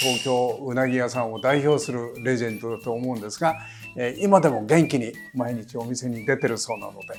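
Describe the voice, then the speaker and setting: A man's medium-pitched voice with music in the background. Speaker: food critic. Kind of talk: food show host narration and interview questions.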